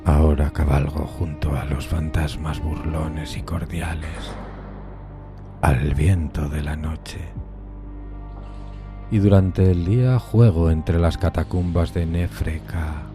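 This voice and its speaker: A man playing a solitary, anguished undead outcast, narrating a gothic horror audio drama in a solemn, theatrical, deliberate way. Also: a bass voice, fairly even intonation, music in the background. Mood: somber, resigned.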